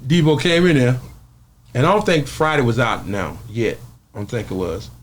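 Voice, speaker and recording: This interview guest, a man from Arkansas with a Southern Black accent, has a mid-range, sing-song voice at a normal speed, with a little hiss or hum on the recording. He tells his story in a relaxed, colloquial way, voicing the quoted speech of others.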